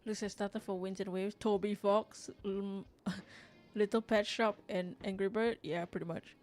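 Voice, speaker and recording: A chatty woman from Singapore talking casually while she draws on a live stream. Her voice sits at a middle pitch and she rambles, restarting her sentences as she answers chat. Faint music plays quietly behind her. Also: steady tone, measured pace. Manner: chatty, rambling, reads chat aloud, frequent restarts and laughs. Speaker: livestream artist host.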